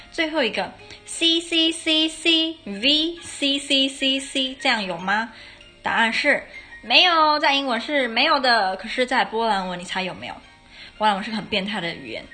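A young woman chats through a solo podcast episode, correcting herself as she goes and laughing here and there. Her voice sits at a middling pitch, with soft music faint behind her. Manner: chatty, self-correcting, laughs now and then. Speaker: podcast host. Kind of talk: casual solo podcast chat about her classes.

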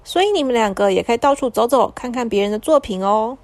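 A woman voicing a kind young woman in a white robe who gently explains rules to children in a bedtime story. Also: on the high side, expressive, quick pace, no echo. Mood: gently explaining. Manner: soft, explaining, coaxing.

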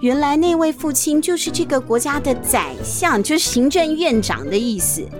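A woman's voice: sits high, animated, normal speed. A woman narrating a children's storybook in a chatty way, stopping to explain things. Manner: chatty, explanatory asides with sentence-final particles. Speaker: storyteller, host. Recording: faint music behind the voice.

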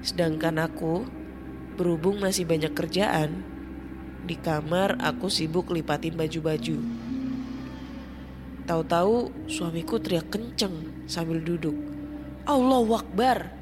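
A woman with a fairly low voice tells a first-person horror story in a tense, hushed manner. Music plays clearly underneath her narration. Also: a little slow, pauses often.

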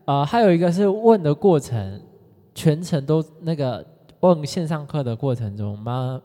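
A podcast co-host, telling stories in an animated, excitable way. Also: mid-range voice, normal speed. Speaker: podcast co-host, former education sales consultant. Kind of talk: casual storytelling chat. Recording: long hall reverb.

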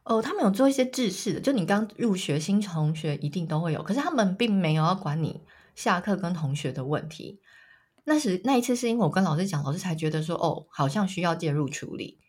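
Woman, 30s, from Taiwan, podcast co-host; husky, chatty storyteller. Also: fairly low pitch, sing-song, a little fast, a little mellow. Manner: chatty storyteller, laughs often. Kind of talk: casual chat.

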